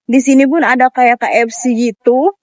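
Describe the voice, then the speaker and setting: A woman's voice: high voice, steady tone, moderate pace, a little mellow, no room sound, clean studio sound. A woman talks casually to her viewers. She sounds like a vlogger narrating an outing as she goes, in an informal, chatty style. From Indonesia. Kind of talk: casual vlog chat to viewers. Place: walking around a busy outdoor amusement area and nearby shop.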